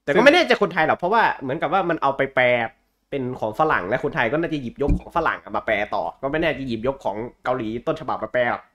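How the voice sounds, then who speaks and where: A male podcast host. His voice sits at a medium pitch. He chats casually and bluntly, throwing in slang and jokes. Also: big pitch swings, quick pace, fairly bright tone, highs cut off. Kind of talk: casual chat about comic books.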